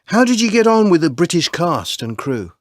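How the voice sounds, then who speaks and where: A woman interviewer asks brisk, clear questions. Her voice is low for a woman and moves a lot in pitch. The sound is dry and close. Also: sing-song, no room sound. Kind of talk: scripted exam-recording interview.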